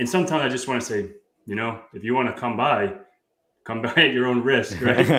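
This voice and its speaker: Over audible room echo, a man with a New York accent and medium pitch talks at a fairly quick pace with lively intonation. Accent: heavy New York. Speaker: cybersecurity show co-host. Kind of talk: casual chat.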